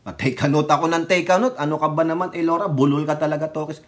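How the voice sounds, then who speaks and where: A man from the Philippines giving casual political commentary on his vlog, talking straight to his viewers in a lively, mocking way. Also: a little high, fast talker.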